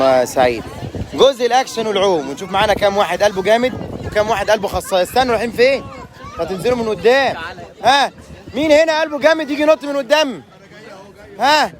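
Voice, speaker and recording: Egyptian guy hosting a boat trip, real high voice, yelling people on, bit of crowd and wind behind. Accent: Egyptian Arabic. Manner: loud, teasing, urging people on. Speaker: tour host. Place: outdoors on a boat at sea.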